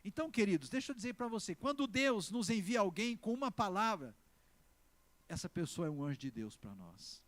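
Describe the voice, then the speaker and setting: Here a pastor with a Brazilian Portuguese accent preaches in a high, very animated voice. He moves emphatically from loud exclamations to slow, stressed words and keeps prompting the congregation to reply.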